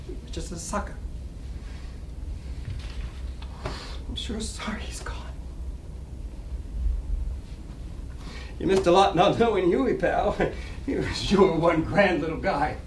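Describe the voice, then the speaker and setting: A man's voice: fairly high pitch, natural voice. A slangy American small-time gambler, played by a man at a staged reading, boastful yet wistful and down on his luck. He is heard from a distance in an echoey room, with some faint noise. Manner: slangy, wisecracking. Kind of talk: staged dramatic reading of a play.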